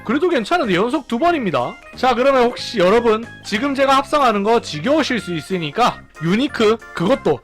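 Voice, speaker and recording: Male gaming streamer: high, bouncy voice full of countdowns and shouts, over soft game music. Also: a little fast, hardly any pauses. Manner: animated, counting down and exclaiming loudly. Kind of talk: excited gameplay commentary.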